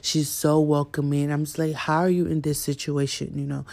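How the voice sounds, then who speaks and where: Telling her own story as a podcast host, a young woman from Houston, Texas, USA speaks at a moderate pace in a deep, flat-toned voice with vocal fry. Yoruba is her first language, and she talks candidly and chattily, full of fillers such as "you know".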